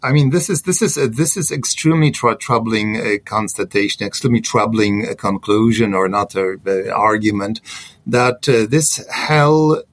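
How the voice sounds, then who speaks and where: A man with a Polish accent answering interview questions in a halting, earnest way, full of fillers and restarts. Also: on the low side. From Poland. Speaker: historian guest.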